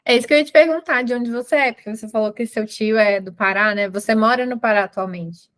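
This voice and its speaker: A woman's voice: on the high side, fast, fairly bright tone. A woman hosting a casual interview, enthusiastic and exclamatory in her reactions. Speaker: interview host.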